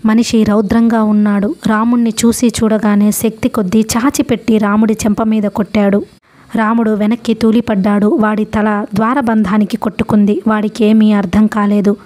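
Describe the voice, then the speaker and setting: A woman's voice: medium pitch, little pitch movement, moderate pace, mellow. A woman narrating a novel as an audiobook, reading the dialogue with small voice shifts.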